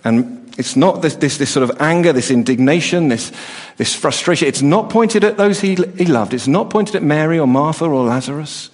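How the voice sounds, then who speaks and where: A man's voice: fairly high pitch, lively intonation, darkish tone. Earnest man preaching in a reverberant hall. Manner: earnest, halting restarts and repeated words. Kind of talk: sermon. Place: church hall.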